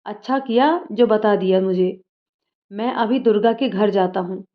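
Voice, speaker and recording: A woman's voice: mid-range voice, measured pace, lightly acted. Woman doing a young male student leader, assured and firm, muffled recording. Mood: concerned. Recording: slightly dull lo-fi audio.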